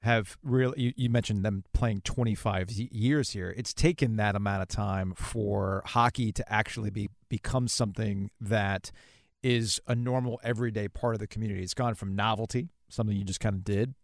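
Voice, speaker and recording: A man's voice: on the low side, fairly even intonation, moderate pace, no echo, studio quality. A man in his forties hosting a sports podcast, chatting informally in a casual interview style. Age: 40s. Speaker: podcast host.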